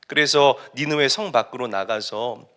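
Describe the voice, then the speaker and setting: A man's voice: mid-range voice, moderate pace, bright, forceful tone. A man preaching a sermon, telling a story emphatically and asking the congregation rhetorical questions. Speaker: pastor.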